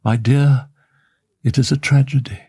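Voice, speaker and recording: A man playing a despairing young woman, speaking low and quiet with a grave, breaking tone. Her voice is husky and dry, as a storyteller puts her on. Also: steady tone, unhurried, dry recording. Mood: grave, sorrowful.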